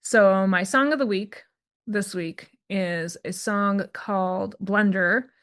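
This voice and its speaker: A woman's voice: mid-range voice, slow, a bit bright, smooth. A woman hosting her own solo career podcast, talking in a chatty, candid way with many asides and fillers. She calls herself a bit introverted. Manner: self-described introvert. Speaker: podcast host and career coach.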